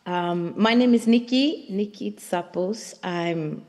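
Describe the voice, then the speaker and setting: Slow-talking woman on a video call. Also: on the low side, darkish tone. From Sweden. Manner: unhurried and reflective, with many fillers. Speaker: hip hop dancer, interview guest. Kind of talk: casual interview conversation. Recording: reverberant hall sound.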